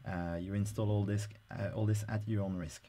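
Brief: male presenter, low mellow voice, relaxed screen-recording tutorial delivery with filler words. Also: normal speed. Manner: casual, explanatory, frequent "uh" fillers.

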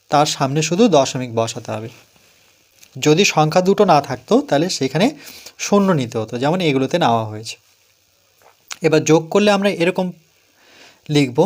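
A math teacher with a Bengali accent gives young pupils a step-by-step lesson. His voice sits somewhat high for a man, and he patiently repeats numbers digit by digit so no one gets lost.

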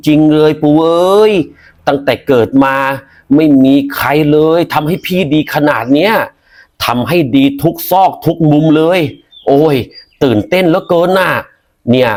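A man doing a lecherous old uncle in a told story, eager and breathless, then flustered and indignant once things go wrong. His voice sits a little higher than most men's. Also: moderate pace, a little mellow, close to an everyday voice.

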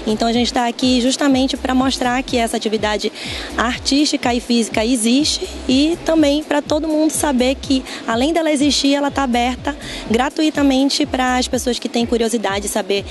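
A woman's voice: high voice, moderate pace. A young woman with a Brazilian Portuguese accent representing a dance and circus school, speaking outdoors into a handheld mic, hesitant with many restarts. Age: young adult. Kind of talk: interview answer. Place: outdoors at an arena. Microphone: handheld microphone. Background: music.

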